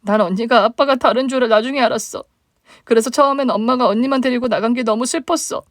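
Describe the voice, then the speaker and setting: A woman's voice: fairly high pitch, quick pace, no echo, clean studio sound, natural voice. A woman voicing a hurt young single mother, the younger sister, speaking plaintively in a dramatized story. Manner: plaintive, emotional questioning.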